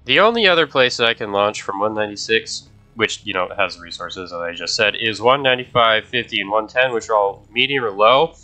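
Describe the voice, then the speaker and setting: A young gaming video host with a lowish, expressive voice talks briskly with few pauses, his tone pushed and bright on a rough recording. Sick with a stuffy, nasal cold, he chats casually to viewers during gameplay and gets distracted easily.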